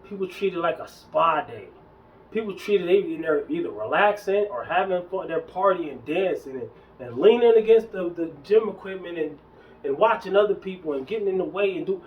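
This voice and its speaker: A man's voice: sits high, expressive, brisk, far from the mic, muffled recording, a little hiss or hum. Emphatic man in his forties ranting. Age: 40s. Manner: emphatic, preachy, slangy, repeats himself. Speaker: fitness vlogger. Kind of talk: casual ranting monologue.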